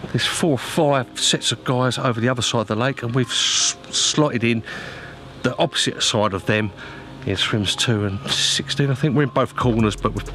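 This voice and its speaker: A man chatting casually to viewers as an angler presenting a vlog, informal and matey, giving practical advice. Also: mid-range voice.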